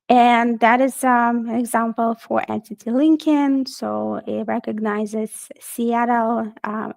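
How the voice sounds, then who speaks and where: A woman's voice: on the high side, vocal fry, dry recording. A woman presenting a technical webinar in a casual, friendly way, with frequent fillers.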